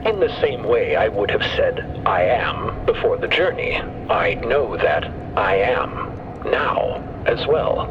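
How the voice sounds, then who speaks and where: A man playing a thoughtful scientist whose mind lives in a mechanical body, speaking deliberately and analytically in an audio drama. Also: lowish voice, very animated. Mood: reflective. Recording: dull band-limited sound with background noise.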